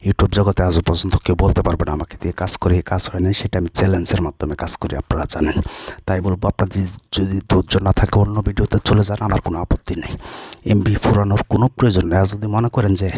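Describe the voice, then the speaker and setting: A man's voice: low voice, a little mellow, husky, no echo. A man, a folk healer in his chamber who boasts, repeats his challenges, and chants incantations in a rhythmic drone. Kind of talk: instructional video with chanted incantations. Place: his healing chamber, indoors.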